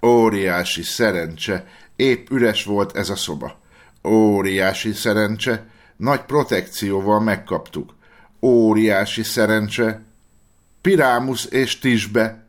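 An actor playing a jittery, fretful playwright in a radio play. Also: male voice, fairly low pitch, natural voice. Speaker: playwright Gál.

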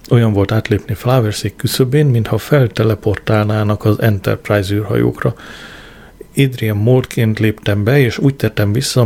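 Low gravelly male audiobook narrator. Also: a little mellow. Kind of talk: scripted first-person narration.

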